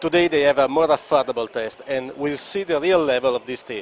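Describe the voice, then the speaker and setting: A man speaks at a fairly quick pace, his pitch fairly high with ordinary variation. Noticeable background noise is present. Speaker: color commentator. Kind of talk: live commentary. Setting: broadcast booth.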